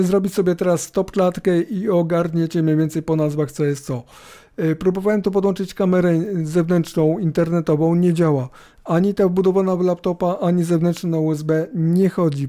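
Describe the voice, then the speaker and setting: A man's voice: high-pitched, warm tone. A middle-aged man gives casual, rambling, hesitant commentary on a screencast, with laptop fan noise hissing behind him. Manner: informal, rambling, hesitant, with tag questions. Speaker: host of a tech review video. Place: indoors at a computer. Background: laptop fan hum.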